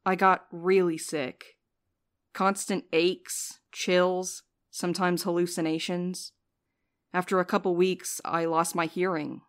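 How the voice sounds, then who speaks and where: A woman acts a jaded young female courier in a fiction podcast. Her voice sits on the low side and sounds weary. She speaks with dry sarcasm. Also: flat delivery, slow pace. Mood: confessional, bitter. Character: jaded, sardonic, sleep-deprived young woman courier named Val. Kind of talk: audio fiction podcast acting.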